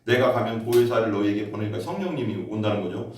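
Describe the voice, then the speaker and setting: A man's voice: fast talker, distant mic, slight background noise. Preaching man in an echoey church. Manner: storytelling, rises sharply in pitch when excited. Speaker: pastor. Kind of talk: sermon. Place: church sanctuary.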